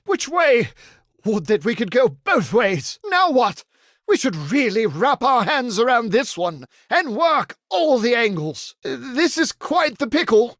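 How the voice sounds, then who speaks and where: An actor playing a theatrical, fawning and easily offended medieval knight for a video game, speaking mock-archaic English. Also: male voice, very high-pitched, fairly bright tone, no echo, clean studio sound, exaggerated voice. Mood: puzzled, dithering. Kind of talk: video game character voice lines.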